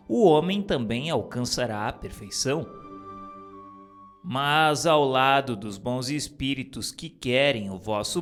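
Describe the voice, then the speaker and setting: A man giving a measured, solemn reading of a spiritist book. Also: a little high. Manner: measured, solemn, deliberate phrasing.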